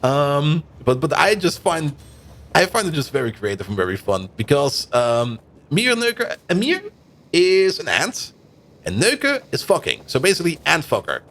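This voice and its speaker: A man's voice: a little high, big pitch swings, moderate pace, creaky, fairly bright tone. A man from Germany whose first language is Dutch, chatting casually on a live gaming stream and laughing often between remarks. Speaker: game streamer.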